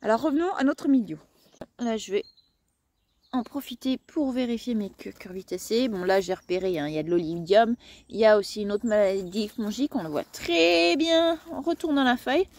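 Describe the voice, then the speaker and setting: A woman's voice: fairly high pitch, animated, a little fast, a little mellow. A woman hosting a casual gardening video outdoors, chatty and playful, tripping over words and laughing at herself. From France.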